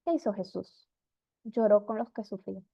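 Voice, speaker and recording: A woman's voice: mid-range voice, moderate pace, vocal fry, slightly rough, no room sound. A woman giving an earnest Bible teaching talk, retelling stories and acting out the people in them. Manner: earnest storytelling, acts out quoted figures. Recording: dull lo-fi dry sound.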